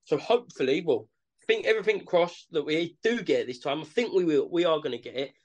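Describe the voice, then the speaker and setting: A man with an East London accent, his voice pitched notably high for a man. He co-hosts a casual sports podcast with laid-back, matey banter. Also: lively intonation, fast talker, muffled recording. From East London, England. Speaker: podcast co-host. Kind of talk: casual boxing podcast chat.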